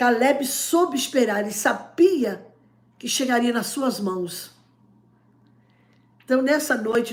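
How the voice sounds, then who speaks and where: Putting on a character voice, a woman talks at a fairly slow pace in a high, hoarse voice with lively intonation and long, frequent pauses. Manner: slow, careful.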